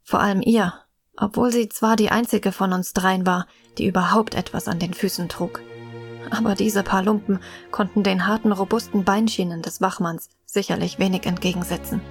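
A woman playing a medieval girl who recounts her ordeal in measured, earnest audio drama narration, her voice slightly husky. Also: medium pitch, lightly acted. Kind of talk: scripted first-person audio drama narration.

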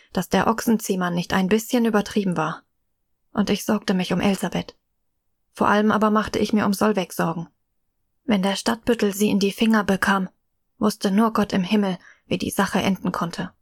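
A woman playing a medieval girl who recounts her ordeal in measured, earnest audio drama narration, her voice slightly husky. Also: medium pitch, no room sound, studio quality. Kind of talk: scripted first-person audio drama narration.

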